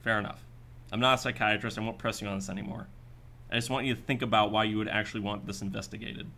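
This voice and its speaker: A man's voice: on the low side, steady tone, quick pace, gravelly, sharp tone. A man playing a skeptical, businesslike detective in a radio drama, asking clipped, matter-of-fact questions. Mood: measured. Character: hard-boiled male detective, probing, skeptical, businesslike.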